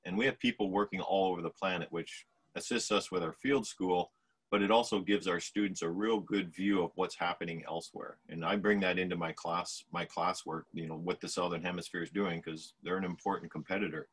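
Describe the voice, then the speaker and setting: A man's voice: low voice, steady tone, brisk, breathy edge. A man from Canada, a professor, speaking casually and plainly in a panel talk.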